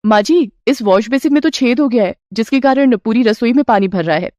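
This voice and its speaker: A woman's voice: on the high side, a little fast, no echo, muffled recording, close to an everyday voice. A woman doing an eager, curious young bride. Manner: excited, wondering questions. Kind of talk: cartoon storybook voice acting.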